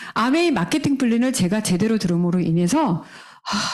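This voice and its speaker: A woman's animated, somewhat breathy voice in a Gyeongsang accent, fairly high in pitch with very wide pitch swings, at a fairly quick pace. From South Gyeongsang, Geoje Island, Korea. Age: 50s. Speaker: network marketing business leader. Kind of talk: motivational seminar talk. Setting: stage with audience.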